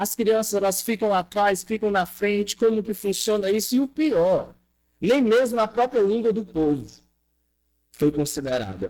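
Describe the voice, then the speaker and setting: The man's pitch is high. He speaks at a moderate speed. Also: ordinary pitch variation. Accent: Cearense. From Brazil, Fortaleza, Ceará. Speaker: pastor. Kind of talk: sermon.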